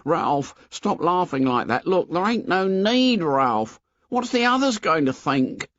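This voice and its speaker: A man voicing a shrill, nearsighted, anxious schoolboy who talks in rough, ungrammatical boy's speech. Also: sing-song, unhurried, a bit bright, no echo, highs cut off, full character voice. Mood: agitated. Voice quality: shrill, pleading.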